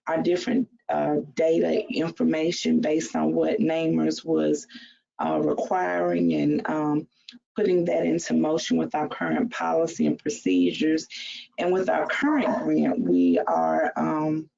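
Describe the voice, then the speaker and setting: A state agency representative giving an update on a virtual meeting, halting and full of ums. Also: mid-range voice, little pitch movement, gravelly, dark tone, muffled recording. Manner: apologetic, halting, many ums.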